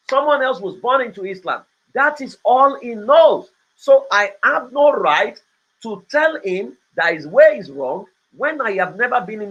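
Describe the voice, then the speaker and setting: A man's voice: high voice, sharp tone. A man, host of a podcast, giving a motivational talk in a preachy way, often adding "right?". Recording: dull lo-fi recording.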